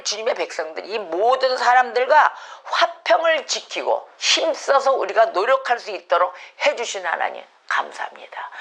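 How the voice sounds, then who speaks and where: A woman's voice: mid-range voice, gravelly, fairly bright tone. A middle-aged woman pastor preaching a sermon, acting out prayers in a pleading voice.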